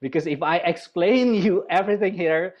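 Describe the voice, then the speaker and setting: A man from West Java with an Indonesian accent giving a webinar presentation as a university lecturer. He talks in a chatty, halting way with many restarts and draws listeners in with questions. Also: high-pitched, darkish tone, muffled recording.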